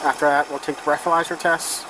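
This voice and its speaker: A man's voice: on the high side, flat delivery, fast. A male police officer casually explaining procedure in an informal, matter-of-fact way, recorded on a body camera. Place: outdoors at a roadside by vehicles. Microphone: body-worn camera. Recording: noisy bodycam outdoors near car engine.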